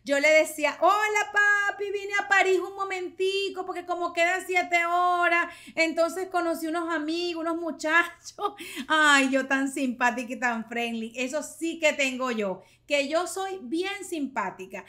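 A lively woman in her forties, high-pitched and bright, spins a casual story into a studio mic. She laughs often and talks with her hands the whole time. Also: unhurried. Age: 40s. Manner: animated, laughing, gesturing with both hands. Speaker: podcast host. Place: small studio with purple backdrop. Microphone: studio microphone with headphones.

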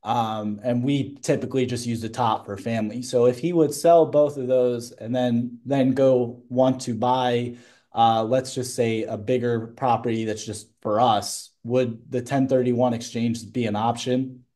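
A man's voice: mid-range voice, fairly even intonation, unhurried, warm tone. A man in the audience asking a question in a casual way.

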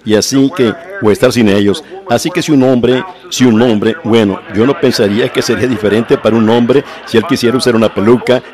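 A man delivering a sermon in a slow, measured storytelling manner, often repeating and restarting words. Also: medium pitch, steady tone, crowd noise. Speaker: preacher. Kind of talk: sermon in Spanish translation.

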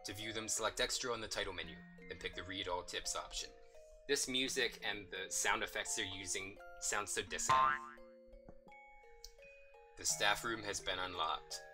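A young man with a hoarse voice, casually chatting and reading on-screen text aloud while streaming a game, thinking aloud with lots of fillers. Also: on the low side, normal speed, over music. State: hoarse, coughing. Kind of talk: casual let's-play commentary.

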